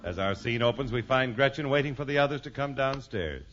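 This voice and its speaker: A man announces in the formal, booming style of 1950s radio. His tone is bright and forceful, his pitch swings widely, and the broadcast sounds muffled. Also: animated, fairly quick, a little hiss or hum.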